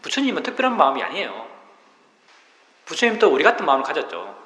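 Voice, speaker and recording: A man's voice: a little high, huge pitch swings, fast, a bit bright. A middle-aged man, a Buddhist monk giving a dharma talk to meditators, explaining patiently and asking rhetorical questions. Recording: roomy hall reverb.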